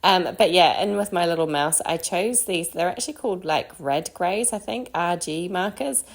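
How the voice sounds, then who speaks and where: A woman with a croaky voice from a cold, chatting casually through a card-making voice-over with frequent ums. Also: fairly low pitch, normal speed.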